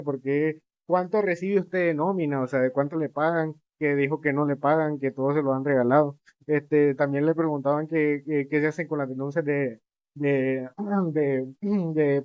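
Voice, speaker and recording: A man's voice: a little high, clear, resonant tone, no room sound, highs cut off. A young man co-hosting a casual podcast, rambling and hesitant with lots of fillers and wry asides. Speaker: podcast co-host.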